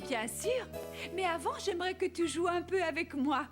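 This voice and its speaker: A woman's voice: extremely high pitch, animated, moderate pace, over music. A woman voicing a kind, playful old grandmother in a French children's cartoon dub. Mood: playful, encouraging.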